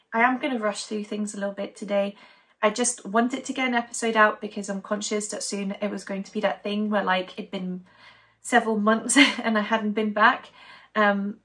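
This knitting podcaster is a young adult woman from Denmark, speaking casually to camera inside her home's living room. Her voice is a bit bright and sits at an ordinary female middle pitch, and her cheerful, chatty talk rambles along with frequent "um"s.

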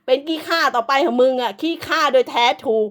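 A woman's voice: high-pitched, fast talker. A woman delivering an angry, profane, scolding rant as an online commentator, hurling insults throughout.

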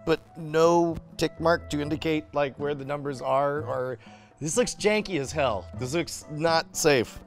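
A middle-aged man in casual, jokey banter, animated and acting out little quotes. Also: on the high side, a little slow, soft background music. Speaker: co-host of a web show. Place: indoor workshop and office set.

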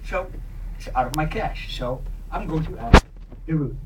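A man's voice: fairly high pitch, lively intonation, normal speed. A middle-aged man playfully and informally presenting a live conference skit. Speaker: session presenter acting out an internet provider. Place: small conference meeting room. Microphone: handheld mic, filmed from audience. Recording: distant, noisy conference room recording.

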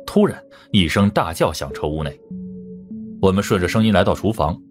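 With music playing underneath, a man narrates a first-person crime novel as a scripted audiobook reading. He has a low voice, lively intonation, and a moderate pace.

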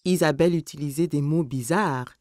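A woman narrating a scripted children's story in simple, clearly phrased sentences. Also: low voice, normal speed, darkish tone, no echo, clean studio sound.

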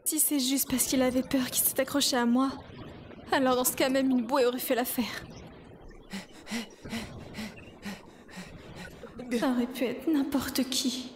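A woman voicing a bold, excitable, easily offended teenage girl in an amateur French anime fandub, theatrical and exclamatory. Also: high-pitched, normal speed, slight background noise, lightly acted. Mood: hurt. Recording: voice over background music.

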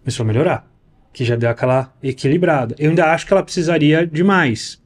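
Podcast host guy, talks fast and slangy, slightly high voice, keeps quoting people. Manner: animated storyteller, quotes people in their own voices; slangy and frank. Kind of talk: casual podcast chat.

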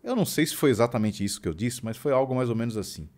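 A man from Brazil, a guest on a podcast, telling childhood stories in a relaxed chat and acting out the voices he quotes. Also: medium pitch, rapid-fire. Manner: animated anecdotes with laughs, acting out quoted voices. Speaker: podcast guest, trumpet player. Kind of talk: casual storytelling interview.

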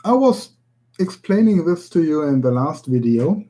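A man from Germany, a native German speaker with a German accent, giving instructions as a language teacher in a measured, explanatory way. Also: a little high, very animated, warm tone. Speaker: language teacher, academy director. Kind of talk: spoken tutorial to listeners.

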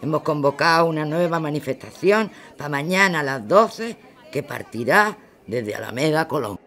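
A woman's voice: deep voice, animated, moderate pace, a bit bright. A woman playing a firm, determined 1910s protest leader in an audio drama. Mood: resolute. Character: resolute woman leading a 1918 workers' protest.

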